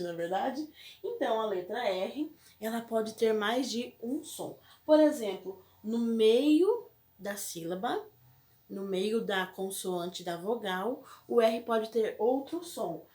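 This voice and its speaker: Patiently teaching a primary school class, a Brazilian woman with a Brazilian Portuguese accent frequently checks in with the children. Her voice is medium in pitch and a little mellow, captured in a recorded lesson in an echoey room.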